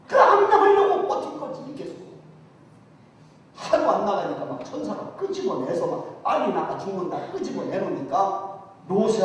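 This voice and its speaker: An older male revival preacher with a Chungcheong Korean accent delivers his sermon in a high, animated voice. He jokes with the congregation as he preaches. The sound is distant, ringing through a big echoing church hall. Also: slight background noise. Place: large church sanctuary. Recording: echoey hall, distant mic.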